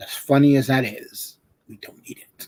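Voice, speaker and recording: A man with a New England accent, speaking at a fairly slow pace. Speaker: live stream host. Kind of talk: casual chat. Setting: live stream. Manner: halting.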